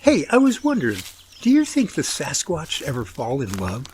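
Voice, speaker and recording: A man's voice: fairly high pitch, wildly swooping pitch, moderate pace, a little mellow, a little hiss or hum. A man acting in an audio drama as a playful, curious, romantic young man. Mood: curious, amazed.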